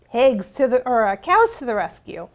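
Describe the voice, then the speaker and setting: A woman librarian leading an interactive storytime for young children, expressive and asking simple questions. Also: fairly high pitch, moderate pace.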